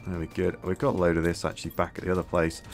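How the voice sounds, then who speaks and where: A man musing aloud as he plays a game, his voice a little hoarse, with many fillers. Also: low-pitched, monotone, racing, soft background music. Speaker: gameplay video host. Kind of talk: casual gameplay commentary.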